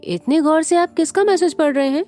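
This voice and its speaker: A woman's voice: high voice, fairly quick, darkish tone, faint music behind, pitched above the performer's own voice, natural voice. A woman voicing a playful, childish young bride of twenty who talks in a bratty, whiny way. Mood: indignant.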